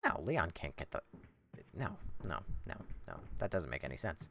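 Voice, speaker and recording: A man streaming a video game, talking in a dry, monotone way with casual swearing while answering chat. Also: deep voice, moderate pace, gravelly, noisy background. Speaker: gameplay streamer.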